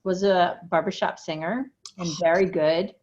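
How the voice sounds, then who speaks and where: A woman's voice: lowish voice, fairly even intonation, measured pace, a little mellow. A middle-aged woman co-hosting a casual stitching chat, chatty and giggly. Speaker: flosstube co-host. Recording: dull lo-fi sound with faint noise.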